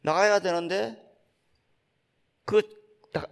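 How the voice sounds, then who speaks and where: Gravelly older monk with a Gyeongsang accent. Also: male voice, high voice. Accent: Gyeongsang Korean. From Gyeongsang province, Korea. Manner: folksy, unhurried storytelling, acting out quoted speech. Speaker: Buddhist monk giving a dharma talk. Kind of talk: sermon storytelling.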